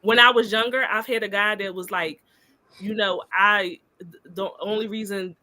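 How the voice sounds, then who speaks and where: Bright-voiced young woman co-hosting. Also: medium pitch, steady tone, moderate pace. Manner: laughs often, talks directly to the comments. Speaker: podcast co-host. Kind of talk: casual panel chat.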